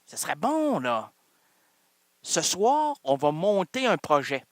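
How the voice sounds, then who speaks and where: A man's voice: on the high side, wildly swooping pitch, takes it slowly, long reverb tail. A man with a Quebec French accent hosting a radio show in a rambling comic monologue, full of teasing wordplay and repeated phrases. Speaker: radio host.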